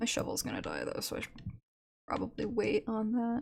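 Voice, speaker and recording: A soft-spoken woman talks at a fairly quick pace. Her tone is calm. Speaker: streamer. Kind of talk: gaming livestream.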